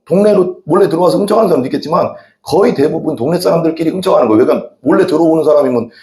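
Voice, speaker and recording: A man's voice: a little high, racing, a little mellow. A middle-aged man preaching a sermon as a pastor, telling rambling folksy stories from the pulpit. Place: church sanctuary. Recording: echoey church hall.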